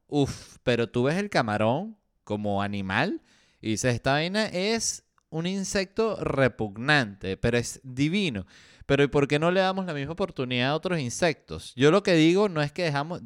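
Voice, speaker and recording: Smooth-voiced Venezuelan man joking on a podcast. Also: mid-range voice, dry recording, studio quality. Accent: Venezuelan Spanish. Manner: joking, acts out quoted voices, lots of fillers. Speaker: podcast host. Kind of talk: casual comedic podcast chat.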